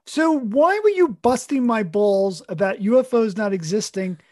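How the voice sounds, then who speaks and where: A man's voice: sits high, lively intonation, moderate pace, a little mellow. Earnest, rambling male cartoonist. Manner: earnest, rambling, self-correcting. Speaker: cartoonist and podcast co-host. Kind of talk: casual chat.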